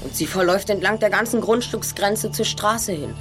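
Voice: mid-range voice, moderate pace, over music, natural voice. A young performer playing a clever, polite teenage boy detective in a German children's audio drama, with precise, formal wording. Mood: businesslike.

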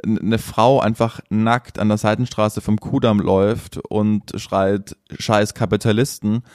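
Guy on a podcast, kinda low voice, animated storytelling, dry close mic. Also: a little slow, smooth, dry recording. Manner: animated storyteller, many restarts. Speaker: podcast co-host. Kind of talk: casual chat.

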